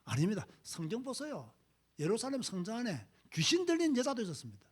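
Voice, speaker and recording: Middle-aged pastor, husky, emphatic preacher with a lively, swooping delivery. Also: male voice, fast. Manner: emphatic, swings from low asides to loud exhortation. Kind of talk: sermon.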